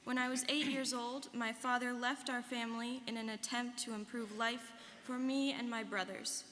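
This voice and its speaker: A woman's voice: on the high side, fairly even intonation, moderate pace, a bit bright, lightly acted. A young woman performing an earnest, rehearsed first-person reading as a student on stage. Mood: earnest recollection. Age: young adult. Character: earnest young woman telling her life story. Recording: reverberant hall with faint noise.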